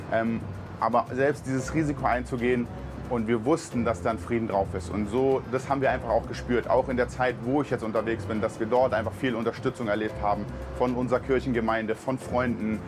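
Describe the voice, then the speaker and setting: A man from Berlin, a truck driver on a mission team, gives an earnest, heartfelt personal testimony with many fillers. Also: mid-range voice. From Berlin, Germany. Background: music.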